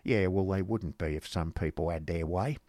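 A man's voice: deep voice, normal speed, mellow, no echo, clean studio sound. A man voicing an odd, terse male clerk from a Victorian novel, with an abrupt, blunt manner.

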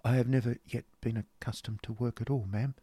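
A timid young woman from a classic novel, as a man puts her on. The voice is meek and hesitant, soft-spoken, in a dry recording. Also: medium pitch, steady tone, fairly quick, breathy edge, no echo, pitched above the performer's own voice, close to an everyday voice.

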